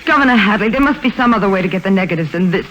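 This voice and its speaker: An actress playing an indignant, flustered young secretary in an old radio drama. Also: female voice, mid-range voice, lively intonation, racing, fairly bright tone, lo-fi sound, slight background noise, lightly acted. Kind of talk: 1950s radio drama acting. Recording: old vintage radio broadcast.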